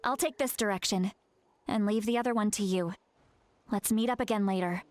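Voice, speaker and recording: A woman's voice: mid-range voice, moderate pace, a little mellow, no echo, lightly acted. A woman playing a brash, impatient tribal warrior in a video game, with a hot-tempered, muttering manner. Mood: decisive. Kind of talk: video game character voice acting.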